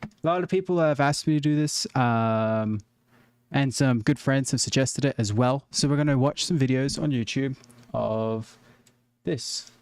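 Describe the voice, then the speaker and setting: Brief: male streamer, mid-pitched voice, jokey chatty reaction commentary, dry close desk mic. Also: unhurried, a little mellow, clean tone, no room sound. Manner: joking, chatty, talks to viewers.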